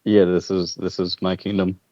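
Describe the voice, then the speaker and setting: A man's voice: low voice, flat delivery, normal speed, dark tone, dry recording. A man chatting casually as a player in an online tabletop game, speaking hesitantly with many fillers. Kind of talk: casual chat between players. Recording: dull, dry lo-fi mic.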